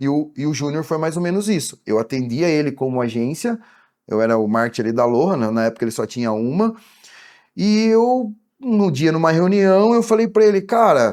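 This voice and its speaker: Very wide pitch swings at a moderate pace on a very clean recording with a silent background. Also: man, fairly high pitch for a man. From interior of São Paulo state, Brazil (São Miguel Arcanjo). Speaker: entrepreneur and ad agency owner. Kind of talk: podcast interview. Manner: casual, slangy.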